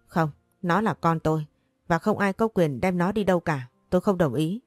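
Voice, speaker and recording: Woman voicing a defiant young mother, indignant, pleading, storybook, lowish voice. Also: moderate pace, no echo, studio quality, faint music behind, lightly acted.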